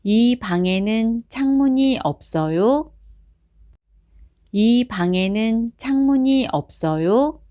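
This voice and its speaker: A woman reading short example sentences aloud, slowly and evenly, for language learners. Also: on the high side, lively intonation, warm tone, dry recording, highs cut off. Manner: careful, evenly spaced phrase reading. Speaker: Korean phrase reader.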